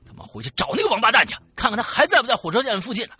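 A man hosting a talk show, retelling a listener's story in an animated way with casual swearing. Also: very high voice, racing, husky. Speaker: host reading a listener's story.

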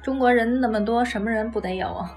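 A woman's voice: fairly high pitch, fast. A woman chatting casually as a podcast host. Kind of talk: casual chat. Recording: roomy echo, faint music behind.

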